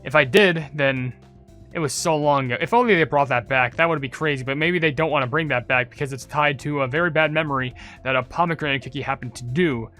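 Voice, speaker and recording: A man's voice: fairly high pitch, quick pace, bright, forceful tone, faint music behind. A young man giving casual, rambling gaming commentary, thinking aloud as he goes. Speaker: gaming video creator.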